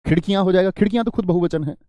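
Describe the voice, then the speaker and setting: A man's voice: high-pitched, racing, warm tone, no room sound, clean studio sound. A male teacher running a live online grammar class, often asking questions, repeating words and reading out student comments. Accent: Hindi.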